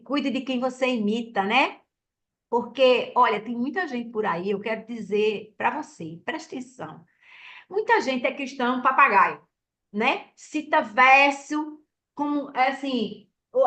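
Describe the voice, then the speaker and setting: A woman delivers a church sermon. Her voice sits a bit high, and she explains the scripture in a chatty, teaching way, checking in with the congregation as she goes. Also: fairly bright tone. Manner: conversational, teaching, frequent "né?" tag questions. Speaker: preacher.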